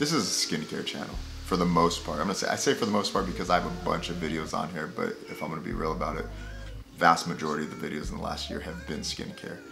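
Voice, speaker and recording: Clear music sits in the background behind a man with a very deep, low pitch. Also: ordinary pitch variation. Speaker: skincare content creator. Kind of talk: casual talk to camera. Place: home room. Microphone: webcam.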